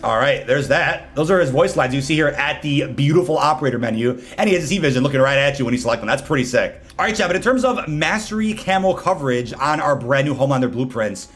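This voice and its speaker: A man's voice: medium pitch, expressive, quick pace, few pauses, a bit bright. A man hosting a gaming video with casual, slangy gameplay commentary. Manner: slangy, informal.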